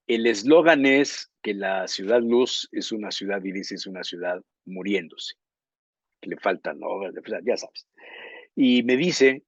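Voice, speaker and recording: A Mexican journalist co-hosting a talk show, telling long anecdotes and often pausing to search for words. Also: male voice, lowish voice, breathy edge, dry recording, lo-fi sound. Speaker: journalist co-host. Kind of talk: casual talk show chat.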